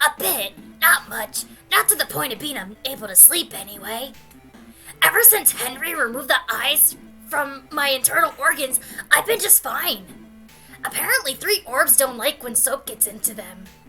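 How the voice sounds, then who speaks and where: In a put-on character voice, a woman speaks raspily with clear music in the background. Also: moderate pace. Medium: game stream. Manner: excited, quick.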